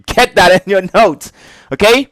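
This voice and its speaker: This time his high-pitched voice is unhurried and free of echo. Speaking with a heavy non-native English accent, the man gives a casual video lesson on insurance licensing, chuckling frequently, repeating the key points, and teaching in an animated way.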